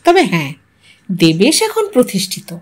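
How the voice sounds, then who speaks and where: A woman reading a scripted story as narrator, in an expressive, reflective way. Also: medium pitch, moderate pace.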